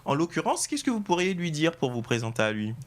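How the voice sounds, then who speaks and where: A man hosting a TV talk show, presenting in a lively, emphatic showman's way to guests and camera. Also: a little high, quick pace. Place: TV studio.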